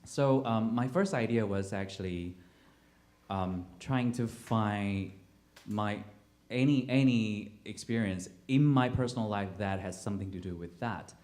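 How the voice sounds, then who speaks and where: A man's voice: fairly low pitch, unhurried, a little mellow. A man with a Taiwanese accent speaking as a playwright and director on a panel, searching for words and repeating himself as he goes. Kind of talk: panel discussion, spontaneous personal account.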